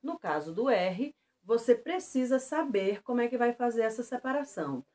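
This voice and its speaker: A Brazilian woman teacher giving a lesson to schoolchildren, stressing example words slowly and clearly. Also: fairly high pitch. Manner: lively, slow and emphatic on example words. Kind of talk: remote lesson for children.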